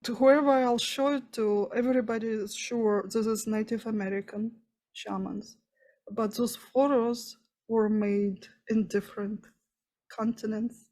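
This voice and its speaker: A woman with a strong Russian accent, teaching in an earnest, unhurried way, in short phrases with pauses. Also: fairly high pitch, steady tone, darkish tone, rough recording. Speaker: shamanism teacher. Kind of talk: spoken lecture.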